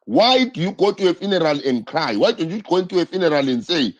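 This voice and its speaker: Impassioned man on a lively, husky stream. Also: on the high side, quick pace. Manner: impassioned, repetitive, rhetorical questions. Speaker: live-stream host. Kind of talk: political live-stream commentary. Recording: dull lo-fi stream audio.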